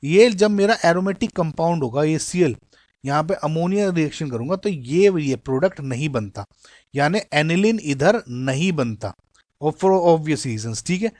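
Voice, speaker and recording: A man's voice: fairly high pitch, animated, measured pace, darkish tone, no room sound, clean studio sound. A man with an Indian accent explaining chemistry exam questions in a conversational way, often addressing the viewers as guys. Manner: conversational, mixes English terms, addresses "guys". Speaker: chemistry teacher.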